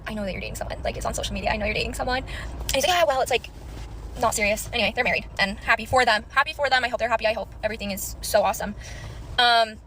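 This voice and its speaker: A woman's voice: a little high, rapid-fire, sharp tone, a little hiss or hum, rough recording. A young woman with a Utah accent telling a personal story casually and chattily, with lots of filler likes. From Utah, USA. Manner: chatty, many likes and self-quotes.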